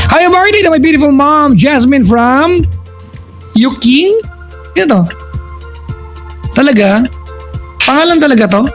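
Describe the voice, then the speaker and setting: Radio dj guy, super high voice, teasing and goofy, music playing under him. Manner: playful and teasing, jokes at himself, laughs loudly and often. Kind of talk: comedic live radio banter with ad reads. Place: radio studio. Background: background music.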